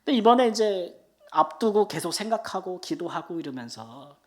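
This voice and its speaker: Missionary in their 50s sharing a heartfelt testimony at a church prayer meeting, chatty and emotional, swinging loud to soft. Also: mid-range voice, big pitch swings, moderate pace.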